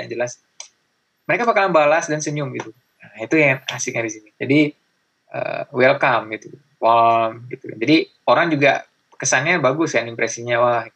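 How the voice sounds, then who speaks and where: A young man talking in a relaxed conversational way, with lots of fillers, acting out the greetings he describes. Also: medium pitch, gravelly, breathy edge. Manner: chatty, many fillers, acts out greetings. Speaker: guest. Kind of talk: casual chat.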